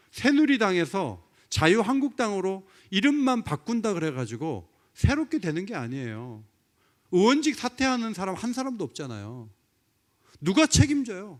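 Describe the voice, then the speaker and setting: Pastor over 50, man, fairly high voice, animated emphatic church sermon. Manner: emphatic, swinging from soft asides to loud rising exhortation. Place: church sanctuary.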